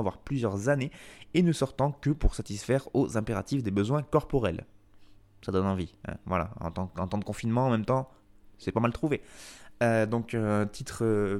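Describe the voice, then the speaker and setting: A man with a fairly low voice hosts a music show from his home living room. He talks casually and loosely, pausing often with fillers, and drops wry, self-mocking asides along the way. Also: darkish tone. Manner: chatty, hesitant with frequent fillers and wry asides. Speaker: radio show host.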